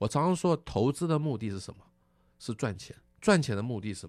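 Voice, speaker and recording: The man's pitch swings very widely. He keeps a fairly quick pace. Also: very clean recording, silent background. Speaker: financial author and investment educator. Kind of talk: interview.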